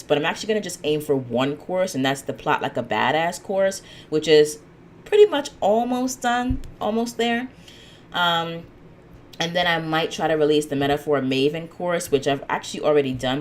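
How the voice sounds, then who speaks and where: A woman's voice: low-pitched, a little hiss or hum. A woman hosting her own podcast, talking through her plans in a loose, rambling way with plenty of fillers, a little sniffly from a cold. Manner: relaxed, rambling, many "um"s and asides. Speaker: podcast host. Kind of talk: solo podcast monologue.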